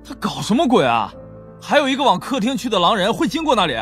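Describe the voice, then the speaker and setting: A man voicing a puzzled, exasperated male investigator in an audiobook, hurried and incredulous. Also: high voice, very animated, fairly bright tone, faint music behind, voice pushed up. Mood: baffled, exasperated. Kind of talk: audiobook character dialogue.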